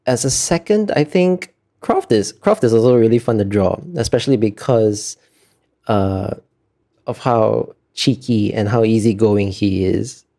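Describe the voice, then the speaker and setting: A man's voice: fairly low pitch, expressive, a little slow, gravelly, dark tone. A man being interviewed as an artist, talking casually and thoughtfully, often hesitating as he searches for words. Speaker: interview guest, concept artist.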